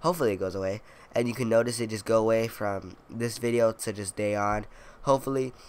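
Fast and low-pitched, with a clean tone, a young man narrates his gameplay for a video while sounding congested. He coughs, wanders casually from point to point with lots of fillers, and teases with playful boasts.

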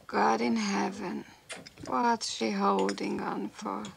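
A woman playing a weary, exasperated mother with a gravelly voice in an animated film. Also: mid-range voice, takes it slowly, noisy background. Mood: weary exasperation.

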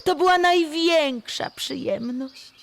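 A woman's voice: sits high, takes it slowly, vocal fry, pitched above the performer's own voice, heavily acted. A woman playing a female witness fondly reminiscing about childhood in a dramatised memoir reading. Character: woman fondly recalling a hungry childhood treat.

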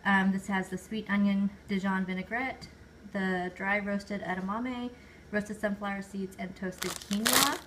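This grocery haul comes from a chatty vlogger in her forties at her kitchen table, who names items and point values and self-corrects as she goes. Her mid-range voice is fairly even and unhurried. The low-quality recording has slight hiss or hum and loud crinkling bags near the mic.

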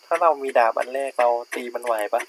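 A young man giving casual commentary on his gameplay, relaxed and thinking aloud with many fillers. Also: mid-range voice, fast, slight background noise, rough recording. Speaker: gaming YouTuber. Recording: game music playing behind.

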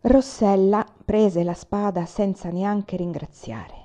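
A woman narrating a novel aloud in a steady, expressive reading style. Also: mid-range voice, takes it slowly. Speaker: audiobook reader.

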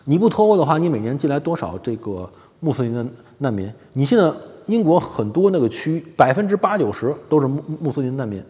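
A man's voice: medium pitch, very animated, quick pace, dark tone, slightly rough, big-room sound. A man hosting a casual monologue, telling rambling stories and often checking in with "you know?". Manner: rambling storytelling, keeps asking "you know?". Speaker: host.

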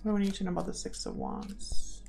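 A woman's voice: lowish voice, huge pitch swings, fast talker, vocal fry, mellow, soft background music. A woman hosting a casual tarot reading for viewers, musing aloud as she explains and calls on spirit guides. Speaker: tarot reader and channel host.

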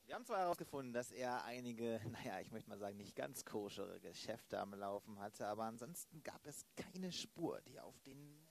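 Casting: male actor as seasoned older inspector, medium pitch, stern, deliberate emphasis, comic radio play. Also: animated, gravelly. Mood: businesslike. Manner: emphatic, deliberate, repeats phrases. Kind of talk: improvised comic audio drama.

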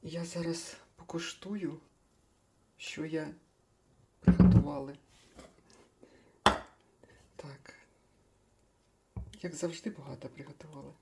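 An older woman chatting casually as she makes a breakfast smoothie in her kitchen, thinking aloud with small laughs. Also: deep voice, steady tone, takes it slowly, long pauses, very noisy. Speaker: cooking vlogger.

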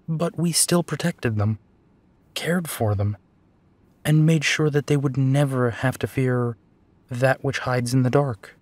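Slow, gentle werewolf detective, played by a man. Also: mid-range voice, dry recording, lightly acted. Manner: soft, halting, sighing delivery. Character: gentle, protective werewolf detective, weary and tender. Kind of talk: intimate scripted audio roleplay.

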